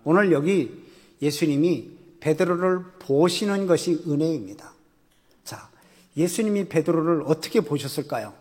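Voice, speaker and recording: A man's voice: fairly high pitch, lively intonation, moderate pace, darkish tone, breathy edge. Male pastor preaching in a ringing hall. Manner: conversational preaching with rhetorical questions. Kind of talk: sermon.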